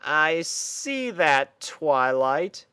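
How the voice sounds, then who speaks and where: A man voicing a serene, regal female pony ruler in a storybook reading, measured and quietly exasperated. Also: a little high, very animated, clear, resonant tone, no room sound, clean studio sound, exaggerated voice. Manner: measured, composed, slightly incredulous.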